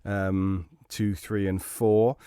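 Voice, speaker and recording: Clear, smooth-voiced man, mild and hesitant. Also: fairly low pitch, level tone, drawn-out words, warm tone, no echo, studio quality. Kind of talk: casual chat.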